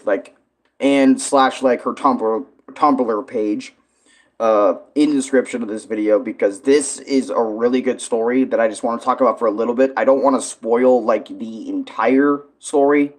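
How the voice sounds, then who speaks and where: Guy streamer just rambling casually, keeps stopping to find the right word and fix what he said. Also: medium pitch. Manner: halting, searching for words, self-correcting. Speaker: online video creator and live streamer. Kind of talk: casual rambling livestream chat.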